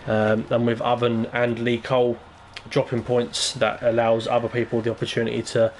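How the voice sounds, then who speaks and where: Guy wrapping up a racing stream, kinda monotone but upbeat, thanking everyone, a bit of noise behind. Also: medium pitch, moderate pace. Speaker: stream host. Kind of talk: stream sign-off.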